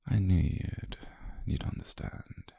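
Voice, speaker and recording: A British man playing a calm, possessive, obsessed doctor in an intimate ASMR roleplay, speaking slowly and haltingly in a husky, breathy near-whisper. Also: dry recording, lightly acted. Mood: obsessive, intimate. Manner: slow, halting, intimate delivery.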